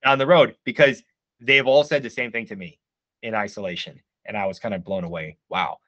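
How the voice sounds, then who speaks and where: A man's voice: fairly low pitch, brisk, a bit bright, no room sound, dull audio. A man who is a guest, giving advice in casual live-stream chat, emphatic and filled with "like.". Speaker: guest, game writer.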